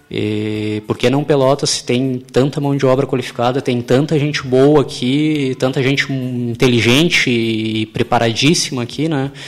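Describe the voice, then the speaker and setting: A man speaks with a southern Brazilian accent at a fairly slow pace. His intonation is fairly even. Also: medium pitch for a man. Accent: southern Brazilian (gaúcho) Portuguese. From Porto Alegre, southern Brazil. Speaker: startup co-founder. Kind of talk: radio interview.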